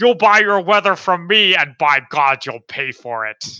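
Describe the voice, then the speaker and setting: A man puts on a character voice at a high pitch. His pitch swings very widely at a moderate pace. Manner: arrogant, imperious.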